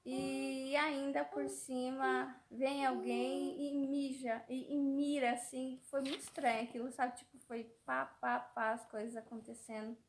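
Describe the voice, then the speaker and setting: A woman's voice: high voice, little pitch movement, a little slow, few pauses. A woman in her thirties from Brazil, telling a rambling everyday story to her vlog audience, often repeating words and trailing off. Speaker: mother vlogger.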